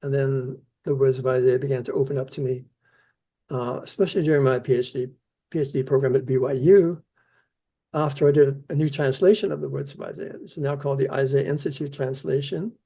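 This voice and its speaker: An older man, born in the Netherlands and raised in New Zealand, answering interview questions about his scripture research in an earnest, measured way. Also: mid-range voice, steady tone, warm tone, breathy edge. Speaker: Isaiah scholar, keynote speaker.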